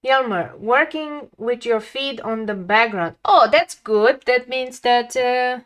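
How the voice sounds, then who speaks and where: A young woman with a calming voice chatting casually with viewers while she draws on a livestream. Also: fairly high pitch, slow. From lives near a big Dutch city. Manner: chatty, talks to chat viewers, laughs often. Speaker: art livestream host. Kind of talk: casual chat while drawing.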